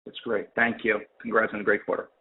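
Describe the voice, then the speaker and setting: A man's voice: lowish voice, little pitch movement, fast. A man asking polite questions as a financial analyst on an earnings call. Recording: tinny phone-line caller.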